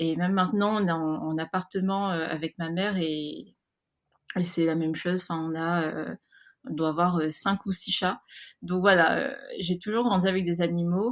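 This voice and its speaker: On a very clean recording with a silent background, a woman with a fairly low pitch and fairly even intonation speaks at a moderate pace, with long, frequent pauses. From Réunion. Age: 20s. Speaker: master's student in history. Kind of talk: interview. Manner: hesitant, many fillers.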